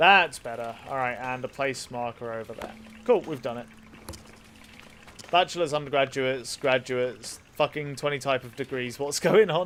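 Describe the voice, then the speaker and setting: A man with a British accent speaks at a moderate pace and medium pitch, with ordinary pitch variation. His loudness swings widely, and there is noticeable background noise. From UK. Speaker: game streamer. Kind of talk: live game stream commentary. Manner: casual, chatty.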